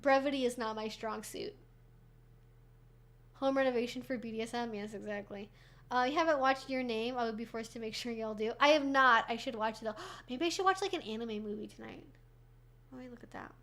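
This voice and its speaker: Chatty high-voiced woman. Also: fairly quick, fairly bright tone. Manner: rambling, chatty, many fillers and restarts. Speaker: livestream host answering chat questions. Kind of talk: casual livestream Q&A.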